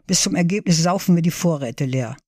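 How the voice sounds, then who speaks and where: A blunt, boozy middle-aged man with a gruff edge, as a woman reads him. The recording is dry. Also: on the low side, a little fast, darkish tone, no echo, natural voice.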